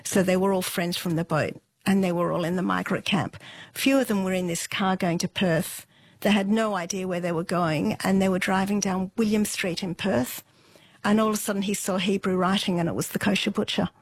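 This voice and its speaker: A woman's voice: mid-range voice, fairly even intonation, slightly rough, no room sound, low-quality recording. Woman telling a story, dry studio sound. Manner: unhurried, with fillers and soft laughs. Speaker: interview guest. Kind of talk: relaxed storytelling interview.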